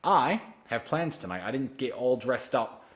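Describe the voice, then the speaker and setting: A man hosting a casual solo livestream, answering viewer questions directly and pitching emphatically. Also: sing-song, normal speed. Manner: direct, addresses viewers by name.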